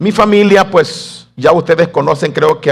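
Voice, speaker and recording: A man's voice at a very slow pace. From El Salvador. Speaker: pastor. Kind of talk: lecture. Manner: hesitant, many fillers.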